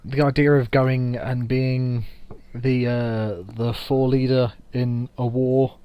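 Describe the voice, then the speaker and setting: A man's voice: medium pitch, level tone, slow, clean tone, muffled recording. A young man with a London accent, co-hosting a podcast in loose, jokey chat full of fillers. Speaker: podcast co-host. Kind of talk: casual chat.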